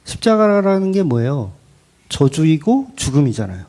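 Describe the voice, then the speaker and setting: A male pastor preaching a sermon in a blunt, colloquial, animated way. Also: on the high side, normal speed.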